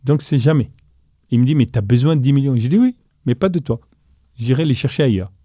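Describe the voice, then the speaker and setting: A middle-aged man recounts a business deal as an interview guest, bringing it to life and voicing the other people in the story. His voice is mellow and warm. The recording is dry and close. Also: medium pitch, brisk, dry recording. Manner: animated storyteller, voices quoted dialogue. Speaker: guest entrepreneur.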